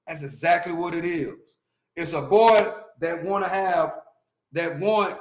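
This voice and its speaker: A man's voice: high voice, a bit bright, roomy sound. A man in his fifties ranting emphatically on a livestream, repeating his points and talking straight to his chat. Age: 50s. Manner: emphatic, repetitive, talks to chat. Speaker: livestream host. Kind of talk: opinionated livestream rant.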